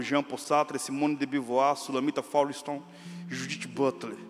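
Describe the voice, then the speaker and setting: The pace is moderate. Noticeable noise sits in the background. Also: man. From Brazil, Brasília. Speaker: pastor. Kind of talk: sermon.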